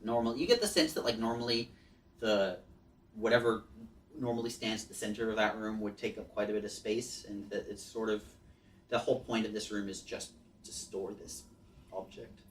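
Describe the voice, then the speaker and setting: A man's voice: fairly low pitch, steady tone, moderate pace. A man narrating a tabletop game as game master, hesitant and full of restarts. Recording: distant mic, faint background noise.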